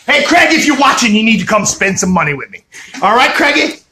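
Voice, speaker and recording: A man doing a loud, boisterous comedic sales pitch as a mock shopping channel host. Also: sing-song, fairly quick. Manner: loud, boisterous, hyped, shouting. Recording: echoey room with loud background noise.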